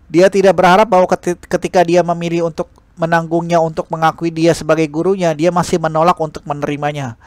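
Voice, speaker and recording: A man's voice: a little high, no echo, clean studio sound. A man with an Indonesian accent narrating a light novel with casual asides, sometimes stumbling and rereading phrases. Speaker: audiobook narrator.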